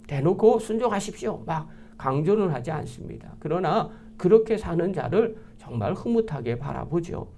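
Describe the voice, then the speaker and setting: High, lively Korean-church pastor preaching. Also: male voice. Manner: animated, acts out quoted lines, drops to hushed whispers. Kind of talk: sermon with scripture reading.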